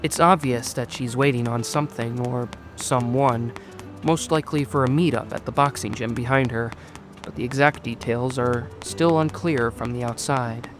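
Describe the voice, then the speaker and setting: A man narrates a scripted audio drama in a mid-range voice. He tells the story in the third person as an audiobook narrator, with music playing clearly behind him. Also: medium pitch, fairly even intonation, normal speed. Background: music under the voice.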